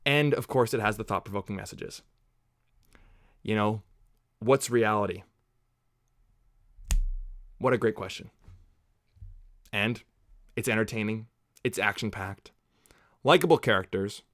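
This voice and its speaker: A man's voice: on the low side, measured pace, pauses often, a bit bright, no room sound, clean studio sound. A man from Canada hosting a casual movie watch-along livestream, chatting and rambling off on tangents while answering viewers.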